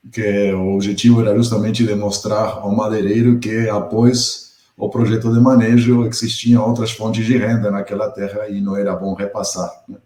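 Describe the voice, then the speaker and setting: A middle-aged man from Argentina with an Argentine accent, speaking as a podcast guest in a measured, thoughtful way, often pausing to find his words. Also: fairly low pitch, level tone, mellow. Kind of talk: podcast interview. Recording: echoey room.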